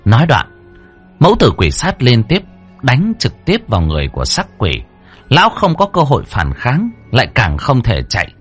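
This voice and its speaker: A man's voice: mid-range voice, huge pitch swings, moderate pace, fairly bright tone, breathy edge, faint music behind. A man narrating a horror story dramatically.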